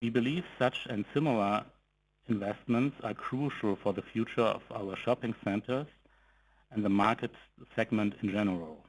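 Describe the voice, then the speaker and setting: A man giving a formal, measured corporate presentation, reading from a script in short phrases as an executive on an investor call. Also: lowish voice, poor audio. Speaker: company executive presenting financial results.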